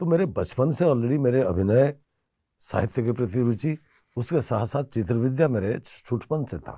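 Against a quiet background, a man speaks at a medium pitch with a dark, mellow tone. His pace is moderate. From Odisha, India. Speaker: theatre director, actor and drama professor; actor, drama professor. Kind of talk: interview conversation. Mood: calm, reflective. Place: studio. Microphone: lapel.

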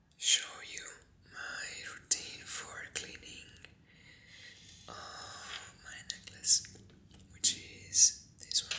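Whispering at a very slow pace, with long, frequent pauses. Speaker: ASMR creator. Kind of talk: ASMR tutorial. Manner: whispered. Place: home room.

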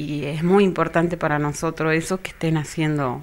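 Fairly slow female speech with a very deep, low pitch. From Argentina, Córdoba province. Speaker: bocce coach. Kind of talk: interview. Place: home room. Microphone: handheld.

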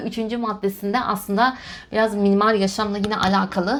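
A woman's plain, everyday voice, fairly high in pitch, with fairly even intonation at a moderate pace. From Bulgaria-born, lived in Istanbul, Turkey. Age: 30s. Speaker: YouTuber and immigration adviser. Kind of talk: casual vlog chat. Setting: at home on camera with coffee.

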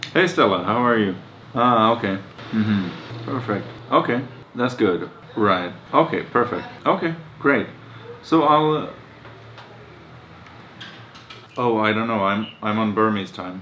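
Fairly slow delivery with long, frequent pauses over light background noise. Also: man. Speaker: freelance reporter. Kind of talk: phone call talk. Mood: relaxed, agreeable. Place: home room.

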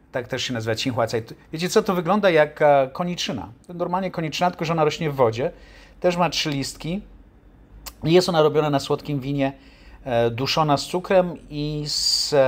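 A man with a fairly high pitch talks fairly quickly, his pitch varying in an ordinary way, and he leaves long, frequent pauses. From Poland. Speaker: vlogger. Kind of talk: food vlog narration. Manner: halting. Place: cafe. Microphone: phone near.

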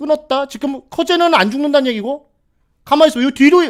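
A man talks at a fairly quick pace. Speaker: go commentator. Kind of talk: live game commentary. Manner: animated; fast.

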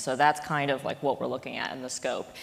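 A woman with a very deep, low voice talks at a fairly quick pace. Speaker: guest. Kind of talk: interview answer. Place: stage.

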